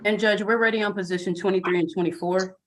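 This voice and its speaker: A woman's voice: medium pitch, steady tone, fast, noisy background. A woman defense attorney petitioning the court, hesitant and full of fillers. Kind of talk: courtroom request.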